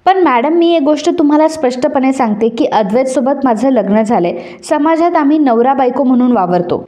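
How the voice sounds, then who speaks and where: A woman's voice: high-pitched, animated, brisk, warm tone. A woman voicing Kala, a teasing young wife. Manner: chatty, teasing.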